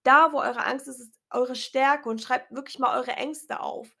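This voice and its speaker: A woman speaking loudly and earnestly to her viewers in a casual, unedited motivational vlog, her voice a little strained. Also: high voice, fairly even intonation, measured pace, gravelly. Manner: earnest, encouraging, talks loudly. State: clearing her throat, voice a bit strained. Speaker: vlogger. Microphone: self-recorded, unedited.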